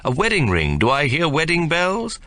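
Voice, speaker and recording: A man's voice: fairly high pitch, huge pitch swings, moderate pace, bright, forceful tone, voice pushed up, exaggerated voice. A man voicing a fussy, ingratiating shop manager of about fifty-five at a jewellers' counter, in a storybook reading. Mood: unctuous. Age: 50s. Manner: unctuous, fussy.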